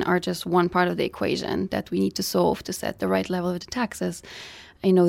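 A middle-aged woman from Bulgaria, an economics professor, answering interview questions in a measured, academic way. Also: lowish voice, creaky, darkish tone, no echo. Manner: measured, academic, frequent "you know".

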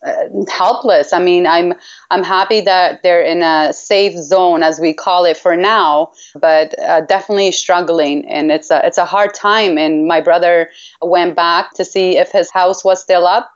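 A slightly muffled, lo-fi recording of a woman with a lowish voice. She is from Iraq and speaks as a campaigner being interviewed. Her delivery is earnest and emphatic, and she repeats phrases for weight. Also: steady tone, measured pace. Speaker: human rights campaigner, interview guest. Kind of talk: heartfelt interview answers. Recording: dull, lo-fi line.

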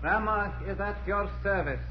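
An actor playing a menacing mystic high priest with grandiose, solemn ceremonial speech in a 1940s radio drama. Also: male voice, moderate pace, crowd noise, close to an everyday voice. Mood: solemn incantation. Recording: noisy, muffled 1940s radio recording.

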